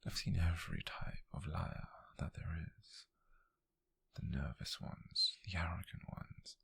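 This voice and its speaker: A British man playing a calm, menacing, possessive detective in a whispered ASMR roleplay, with a breathy, husky voice and slow, deliberate delivery. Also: deep voice, dry recording, full character voice.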